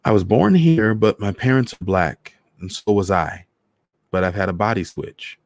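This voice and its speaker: A man's voice: on the low side, very animated, moderate pace. A man voicing a polite, somewhat guarded young woman in a storybook reading.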